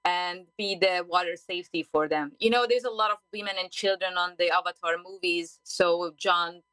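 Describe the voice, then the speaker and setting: Hungarian lady in her 40s, bright crisp voice, dry studio sound, lively storyteller. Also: lowish voice, normal speed, no echo, rough recording. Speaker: guest, underwater safety diver. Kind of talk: interview conversation. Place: radio studio.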